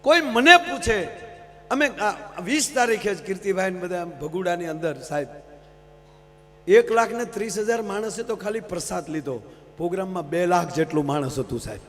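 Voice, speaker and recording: A man with a Kathiawadi Gujarati accent telling jokes and sermons to a live audience as a folk stage comedian, preachy and lively. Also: sits high, a little fast, slight background noise. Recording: live event hall reverb, faint music.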